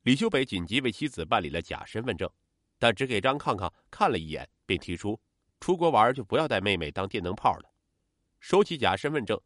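A man narrating a true-crime case as a scripted story, in a steady, dramatic storytelling manner. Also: on the low side, brisk, dry recording, clean studio sound.

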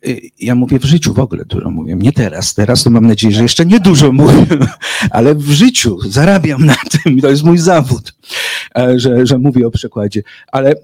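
A man's voice: medium pitch, lively intonation, brisk, a little mellow, slightly rough, dry recording, poor audio. A man who works as a literary translator, answering interview questions in a hesitant, thoughtful way, full of fillers and restarts.

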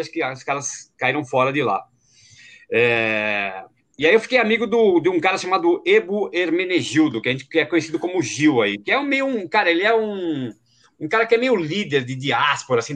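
A man talks through a podcast episode in loose, rambling chat. His voice sits a little high for a man and swings widely up and down as he tells the story, packed with fillers and street slang. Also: a bit bright. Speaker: podcast host.

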